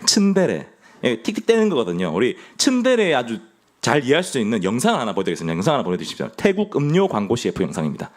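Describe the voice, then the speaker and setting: A man's voice: medium pitch, huge pitch swings, fast talker. A young man with a Gyeongsang accent preaching a sermon, playful and joking with his congregation. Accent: Gyeongsang Korean. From Gyeongsang region of Korea.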